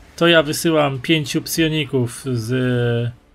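A man's voice with faint music in the background. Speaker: streamer discussing a tabletop role-playing game. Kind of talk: casual stream commentary.

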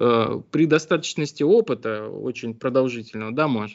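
A man with a normal speaking voice speaks at a medium pitch with fairly even intonation. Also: quiet background. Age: 30s. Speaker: hypnotherapist; interviewee. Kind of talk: interview. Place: home room. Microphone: video call.

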